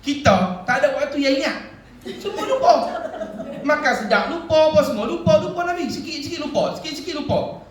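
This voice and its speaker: A male religious teacher gives a sermon in a small village prayer hall. His voice sits high, and he tells stories in an animated way, acting out the speech of others. The hall rings with echo, and he sounds a little distant from the microphone. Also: brisk, slight background noise. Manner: animated storytelling with laughter and acted quotes. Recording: echoey hall, speaker far from mic.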